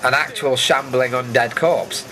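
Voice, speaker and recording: A man's voice: mid-range voice, steady tone, a little slow, pushed and bright, poor audio. A man giving a casual, dryly jokey voice-over commentary as the host of an event video.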